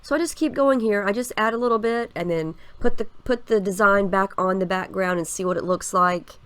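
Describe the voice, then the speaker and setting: A scrapbooking video host in her thirties talks fairly quickly in a clear, resonant mid-range voice, though a head cold makes it stuffy and scratchy. There's no echo, and she chats in a relaxed way, explaining each step with fillers.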